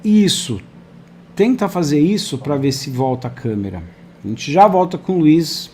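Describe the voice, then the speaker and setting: A man's voice: a little high, lively intonation, normal speed, warm tone, a little hiss or hum. Friendly male host on a video call. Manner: friendly, chatty, asks viewers to engage. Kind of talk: live online interview.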